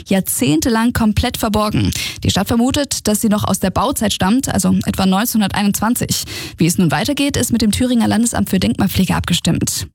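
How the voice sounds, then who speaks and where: A woman reading a regional radio news bulletin in a steady, measured way from the studio. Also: medium pitch, slightly rough, no room sound. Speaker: news reader. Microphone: studio microphone.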